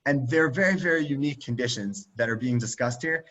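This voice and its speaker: A man's voice: medium pitch, fast talker, a bit bright. A man leading a group text study over a video call, talking casually with many fillers and restarts. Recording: dull, lo-fi video call audio.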